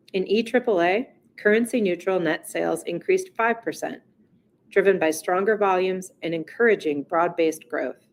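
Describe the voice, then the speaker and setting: A woman chief executive reading a scripted earnings presentation in a formal, measured corporate manner. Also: on the low side, slight background noise.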